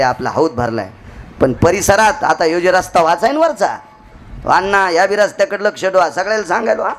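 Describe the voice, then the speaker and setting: A man preaching a devotional kirtan, with folksy humor, calling on listeners by name. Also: mid-range voice. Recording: live with loud instrumental music.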